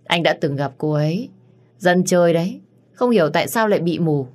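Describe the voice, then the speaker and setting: A woman's voice: on the low side, animated, fairly quick, close to an everyday voice. A woman voicing a smug, teasing young man. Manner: teasing, dismissive.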